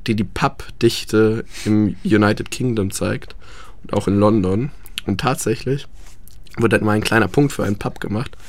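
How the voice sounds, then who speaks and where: A man's voice: on the low side, dry recording. A young man chatting about life abroad, hesitant with many fillers. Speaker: guest. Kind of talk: casual radio chat.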